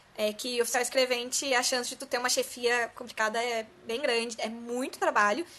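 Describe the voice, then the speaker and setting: The tone is bright and sharp. This woman's pitch sits high. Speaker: exam-prep influencer, former civil servant. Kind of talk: live stream Q&A. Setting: live stream. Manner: casual, animated.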